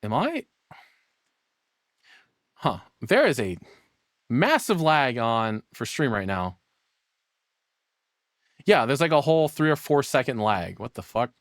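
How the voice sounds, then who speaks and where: A man's voice: medium pitch, sing-song, takes it slowly, pauses often, no room sound, studio quality. A man streamer giving casual, musing reaction commentary with sighs and sweary asides. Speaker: streamer and host of reaction videos.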